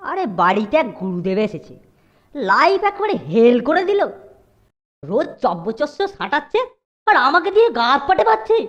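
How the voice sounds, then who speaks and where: A woman's voice: high voice, very animated, moderate pace, dull audio. A woman voicing a cheeky, exasperated young schoolboy in a comic cartoon, talking in slangy grumbles, with faint music behind. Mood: exasperated, grumbling. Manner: slangy, grumbling, mock-polite.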